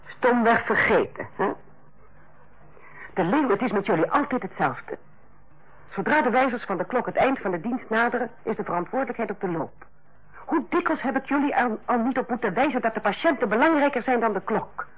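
An actress playing a stern, sarcastic head nurse who lectures and bites in a Dutch radio play. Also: female voice, on the high side, expressive, fairly quick, slightly rough. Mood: stern, reproachful. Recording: muffled old radio play recording.

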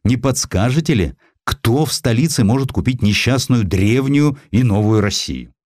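A man playing an earnest, burdened historian officer, measured and reflective, in a dramatized audiobook. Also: mid-range voice, expressive, darkish tone, no echo, studio quality, pitched above the performer's own voice, close to an everyday voice. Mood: polite, hesitant. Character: earnest, burdened male historian colonel, polite and candid.

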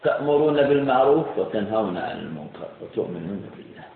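A man from Saudi Arabia preaching a religious lecture in short phrases, pausing between them for his interpreter. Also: on the low side, lively intonation, creaky. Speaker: Islamic preacher. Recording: tinny, echoey hall from far off.

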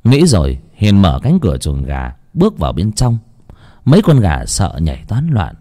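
Male ghost-story narrator, low mellow voice, very lively pitch. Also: moderate pace.

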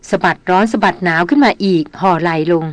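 A woman narrating a novel as an audiobook in a steady, expressive reading voice. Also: lowish voice, quick pace, no echo.

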